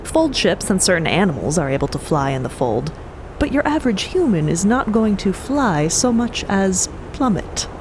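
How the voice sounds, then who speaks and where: A woman narrating a scripted story in a conversational way, with clear ambient noise behind her. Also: medium pitch, very animated, moderate pace.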